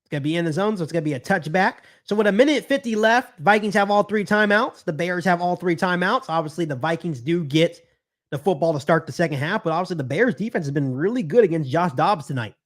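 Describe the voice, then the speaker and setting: A high-pitched male voice with an American accent does live football play-by-play for a fan stream. He talks conversationally, repeats phrases as he works through a point, and answers viewers along the way. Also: quick pace. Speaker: sports podcast host doing live play-by-play.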